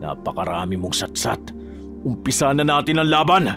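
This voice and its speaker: A man voicing a grim young male aswang hunter who speaks low, steady and stern. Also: normal speed, vocal fry, music in the background. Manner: low, steady, stern; shouts in a rage when calling out.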